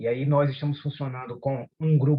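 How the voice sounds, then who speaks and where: A man with a northeastern Brazilian accent talks at a fairly slow pace and fairly high pitch, sounding somewhat breathy. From Brazilian Northeast. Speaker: pastor. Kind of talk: sermon. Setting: video call.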